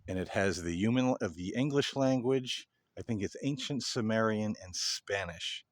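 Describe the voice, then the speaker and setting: Low-pitched man, dry close sound. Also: normal speed, no echo. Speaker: paranormal investigator, video host. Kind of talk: casual explanatory monologue to viewers.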